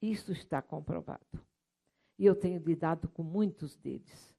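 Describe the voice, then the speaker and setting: A middle-aged Brazilian woman missionary preaching a sermon, lively and storytelling, acting out voices from her anecdotes. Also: lowish voice, normal speed, creaky. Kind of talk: sermon with object lesson.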